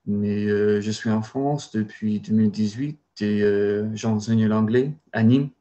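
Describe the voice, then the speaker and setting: A young American man gives a short, hesitant introduction on a video call. His voice is low and mellow. The call audio sounds dull. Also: fairly even intonation, measured pace. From Utah, United States. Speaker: guest, English teacher. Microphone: video call, earphones.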